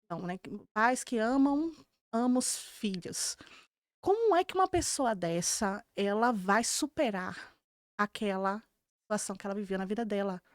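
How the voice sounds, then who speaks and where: A woman's voice: medium pitch, lively intonation, moderate pace, no echo, studio quality. A woman with a Brazilian Portuguese accent, a Christian therapist, telling stories from her practice in earnest and acting out her clients' words. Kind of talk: podcast conversation.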